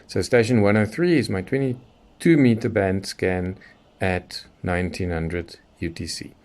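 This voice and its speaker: A low, slightly mellow male voice belongs to a Southern African radio hobbyist in middle age. Without a script, he demonstrates a product methodically, describing each action as he goes in this tutorial.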